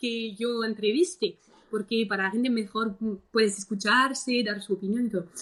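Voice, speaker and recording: A woman speaks with a French accent in a high pitch. Her pace is fairly quick. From France, Alsace region. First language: French (speaking Spanish). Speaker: journalist and podcast producer. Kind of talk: interview conversation. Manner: halting.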